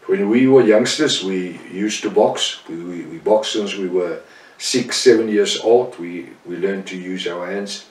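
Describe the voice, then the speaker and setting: A man's voice: low voice, a little slow, darkish tone. A man with a South African Afrikaans accent teaching the Bible, emphatic, often repeating and correcting himself. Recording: roomy sound from a distant mic.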